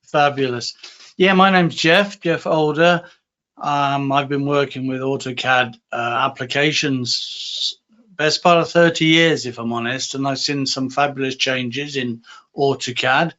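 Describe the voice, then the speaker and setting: A man introducing himself as a software trainer on a webinar, upbeat and enthusiastic. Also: medium pitch, fairly even intonation, measured pace, muffled recording. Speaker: application specialist and trainer. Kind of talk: casual self-introduction on a webinar.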